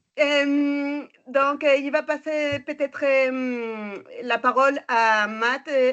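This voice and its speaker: A woman with a strong non-native accent speaks at a high pitch with ordinary pitch variation. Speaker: staff member of an international secretariat. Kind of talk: webinar presentation. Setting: online webinar. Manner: halting, many hesitations.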